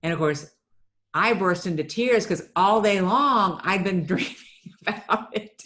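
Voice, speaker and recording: As a guest in a conversational interview, this Ohio woman in middle age, who owns a marketing business, shares stories chattily and restarts by repeating words. Her voice is medium-pitched and fairly bright, with a measured pace.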